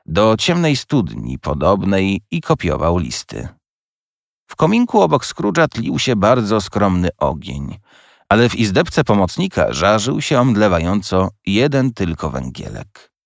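Male audiobook narrator, low voice, expressive, dry sound. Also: gravelly, dry recording. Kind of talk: scripted narration.

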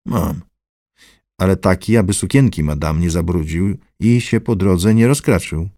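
A man voicing a rough, mocking middle-aged street fixer who jeers and swears. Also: deep voice, unhurried, dark tone, dry recording, studio quality. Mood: cheeky. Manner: coarse, jeering, swearing.

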